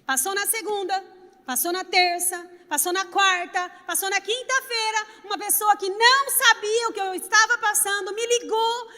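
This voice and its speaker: A woman's voice: extremely high pitch, moderate pace. A woman pastor preaching a sermon, telling stories and talking straight to the congregation. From Brazil. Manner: animated storytelling preacher, addresses congregation directly. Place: church sanctuary. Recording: long reverb of a church hall.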